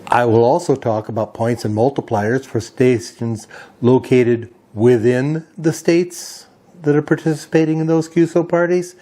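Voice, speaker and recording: Mellow, slow-paced man explaining. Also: mid-range voice, fairly even intonation. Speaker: host of a ham radio video channel. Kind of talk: informational explainer briefing.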